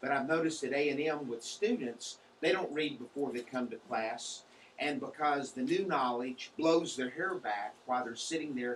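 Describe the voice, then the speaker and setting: Amid light background noise, a man talks at a moderate pace. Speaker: lecturer. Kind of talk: lecture. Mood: teasing, good-humored. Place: classroom.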